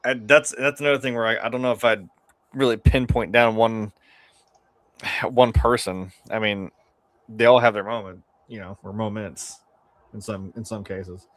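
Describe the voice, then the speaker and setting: A man's voice: fairly low pitch, fairly even intonation, normal speed, fairly bright tone, dry recording. A man co-hosting a film review, bantering casually with sardonic, profane jokes.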